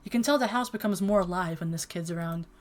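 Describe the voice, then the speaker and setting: A woman livestreamer reading a dating sim aloud and chatting in an expressive, flustered, playfully dramatic way. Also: on the low side, fast. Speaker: streamer playing a dating sim. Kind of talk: livestream chat and game read-aloud.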